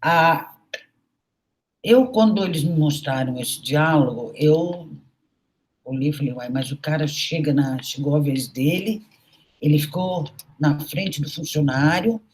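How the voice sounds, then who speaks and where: A woman's voice: low-pitched, unhurried, darkish tone. A middle-aged woman, a university professor, giving a recorded lecture in an anecdotal, storytelling way with frequent conversational tags.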